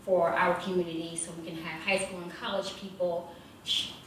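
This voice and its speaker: A woman's voice: lowish voice, flat delivery, moderate pace, a bit bright, a little hiss or hum. A woman on a panel speaking as a parent, matter-of-fact and personal. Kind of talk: panel discussion. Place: event hall. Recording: echoey hall from far off.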